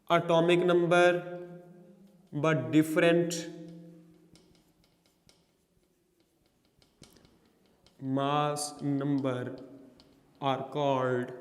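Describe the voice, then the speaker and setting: A man's voice: sits high, long reverb tail. A middle-aged man with a Pakistani Urdu accent gives a chemistry entry-test lecture, coaxing students and dictating English definitions word by word. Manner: coaxing, calls students beta, asks and answers questions.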